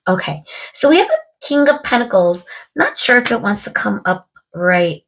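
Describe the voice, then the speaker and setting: A woman's voice: medium pitch, lively intonation, moderate pace, a bit bright, poor audio. A woman reading tarot cards aloud, musing to spirit and viewers, a little stuffed up from a cold. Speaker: tarot reader. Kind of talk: casual tarot card reading to camera.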